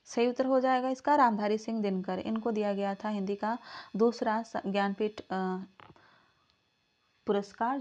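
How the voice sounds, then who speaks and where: Hindi teacher woman, measured and explanatory. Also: medium pitch, lo-fi sound. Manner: reads out questions and options, then explains answers; signs off warmly asking viewers to comment. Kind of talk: exam practice lesson.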